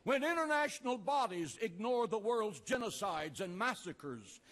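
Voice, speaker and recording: A man's voice: high voice, sing-song, long reverb tail. An older man, a pastor, delivering an emphatic speech at an outdoor rally, building through repeated refrains. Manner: slow, emphatic, repeated refrains, rising to shouts. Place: outdoor rally at an ancient port.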